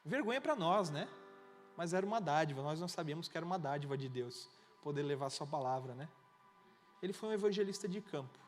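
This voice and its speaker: A man's voice: on the high side, expressive, fast, soft background music. A Brazilian man preaching as a pastor, retelling a conversation and acting out both sides as he tells the story. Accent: Brazilian Portuguese. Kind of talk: sermon with retold dialogue. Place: church hall. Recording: reverberant church hall, instrument behind.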